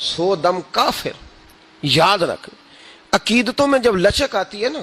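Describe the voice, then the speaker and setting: The man's pitch swings very widely as he speaks. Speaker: Islamic preacher delivering a religious sermon. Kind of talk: Islamic sermon (bayan) on saints' stories, delivered to an audience. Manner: passionate, preaching, emphatic.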